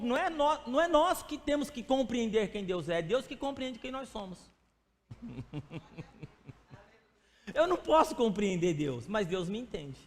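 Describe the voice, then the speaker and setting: A male pastor preaching a sermon in a conversational way, speaking to the congregation by name and acting out little stories. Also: very high-pitched. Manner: acts out stories with quoted voices. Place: church sanctuary. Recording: long church hall reverb.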